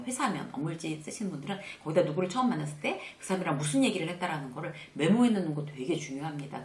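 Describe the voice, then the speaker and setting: A middle-aged woman hosting a casual spoken lesson on workplace manners, acting out sample greetings as she goes. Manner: lively, acts out sample greetings in a bright higher voice. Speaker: workplace lecturer and channel host. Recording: roomy echoey room.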